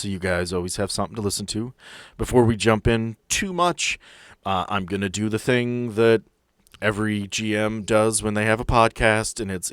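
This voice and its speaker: A man's voice: fairly low pitch, no echo, studio quality. A man chatting casually as host and game master of a podcast, earnest and plain-spoken.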